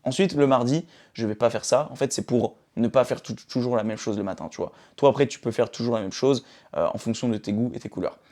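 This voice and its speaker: A young French man vlogs casually to his phone camera about his daily routines, checking in with viewers often in a self-help style. His mid-range voice is fast and a little mellow.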